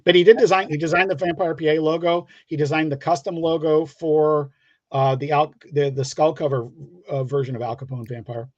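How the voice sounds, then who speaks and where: A middle-aged man from the Pittsburgh area in the United States, chatting casually as a guest and telling rambling, halting anecdotes. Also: a little high, steady tone, darkish tone. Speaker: guest comic book creator. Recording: dull lo-fi, roomy call audio.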